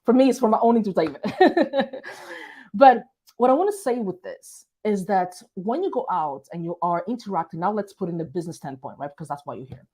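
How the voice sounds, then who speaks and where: A woman's voice: mid-range voice, lively intonation, a little fast, dark tone. Chatty woman with a light foreign accent. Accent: light hard-to-place foreign accent with some British touches. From Portugal. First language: Portuguese. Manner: conversational, storytelling, addresses viewers directly. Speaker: marketing strategist for coaches. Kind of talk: business advice talk to camera.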